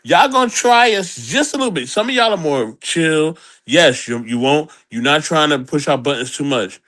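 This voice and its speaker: High-voiced man, teasing and insistent. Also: animated, moderate pace, fairly bright tone. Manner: teasing, insistent, repeats phrases. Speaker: panelist. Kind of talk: casual panel discussion.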